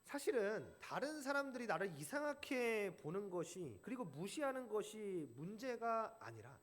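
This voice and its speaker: A man's voice: high voice, very animated, normal speed, fairly bright tone. A young adult man pastor preaching a sermon, telling a story from his own life and acting out the voices of other people in it. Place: church sanctuary. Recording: church hall reverb.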